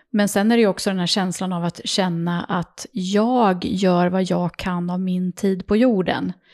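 A plain, everyday voice moves at a fairly slow pace with fairly even intonation and hardly any pauses, on a very clean recording with a silent background. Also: woman, medium pitch for a woman, dry, close sound with no echo. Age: 40s. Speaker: podcast host, former journalist. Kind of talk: casual chat. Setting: podcast studio.

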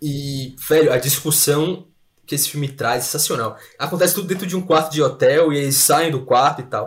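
A somewhat breathy voice at a fairly quick pace. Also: man, fairly high pitch for a man, ordinary pitch variation. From Bahia, Brazil (Feira de Santana). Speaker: biomedical scientist, PhD student. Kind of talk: casual interview.

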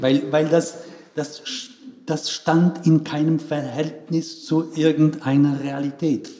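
A man talks very slowly with fairly even intonation amid noticeable background noise. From Poland. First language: Polish (speaking German). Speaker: former diplomat. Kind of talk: panel discussion. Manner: halting.

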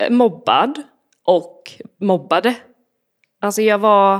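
This woman speaks at a very slow pace with ordinary pitch variation. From western Sweden (Borås). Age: 40s. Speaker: recovering alcoholic sharing her story. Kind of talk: personal testimony in interview.

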